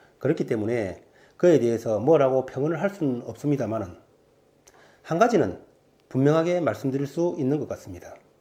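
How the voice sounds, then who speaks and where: His voice fairly high with a dark, mellow tone, a man talks at a fairly quick pace with lively intonation and long, frequent pauses. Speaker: political YouTuber. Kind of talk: political commentary monologue. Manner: formal.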